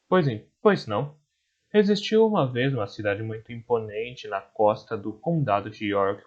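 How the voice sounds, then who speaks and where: A man narrating an audiobook chapter in a steady storytelling manner. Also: medium pitch, muffled recording.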